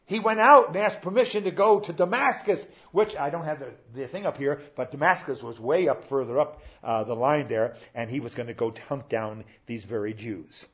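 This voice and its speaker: An older pastor delivers a sermon conversationally, speaking directly to his congregation and pausing with "uh" here and there. His voice is medium in pitch, and the recording has its high frequencies cut off.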